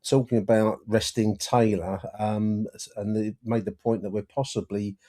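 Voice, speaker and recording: Man, warm mellow voice, casual football chat, hesitant, wry, repeats himself. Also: lowish voice, flat delivery, normal speed. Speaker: football podcast host.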